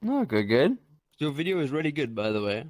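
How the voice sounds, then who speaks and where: A man's voice: mid-range voice, big pitch swings, brisk, darkish tone, no room sound. A man with a South African accent talking casually and slangily as a guest in a video-call interview, rambling with restarts. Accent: South African English.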